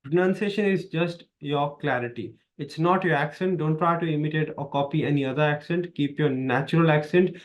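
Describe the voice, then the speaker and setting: A man's voice: fairly high pitch, a little fast. A man in his thirties with an Indian accent, teaching exam speaking skills in an emphatic, repetitive coaching style. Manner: emphatic, repetitive coaching with lively hand gestures. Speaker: exam prep tutor. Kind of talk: instructional video lesson. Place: small dark studio, indoors.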